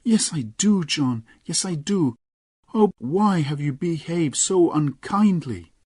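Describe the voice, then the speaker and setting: A man voicing an earnest young lady, raised high. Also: lively intonation, slow pace, dark tone, husky, dry recording, clean studio sound, heavily acted. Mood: pleading. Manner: pleading, emotional.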